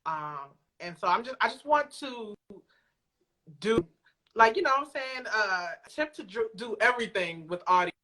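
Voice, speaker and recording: A woman's voice: on the high side, lively intonation, normal speed, bright, forceful tone, rough recording. A woman chatting as an interview guest, speaking in an emphatic, playful, slangy way. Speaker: guest, audio drama creator. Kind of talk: casual conversational interview.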